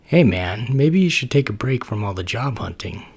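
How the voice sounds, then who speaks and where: A man's voice: medium pitch, animated, normal speed, vocal fry, a little mellow, breathy edge. A man voicing a hungry, dim-witted, laid-back male white blood cell in a storybook reading. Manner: easygoing, slangy drawl.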